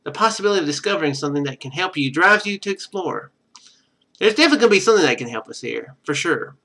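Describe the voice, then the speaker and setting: A man's voice: on the high side, expressive, rapid-fire, bright, forceful tone. A man doing casual video game commentary, thinking aloud as he plays.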